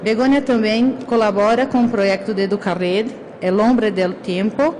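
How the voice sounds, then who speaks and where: A woman with a Brazilian Portuguese accent moderates a conference session, speaking slowly and carefully in a language that is not her first. She often restarts words as she goes. A faint hiss lies under the voice in the room. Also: medium pitch. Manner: slow, careful, with frequent restarts.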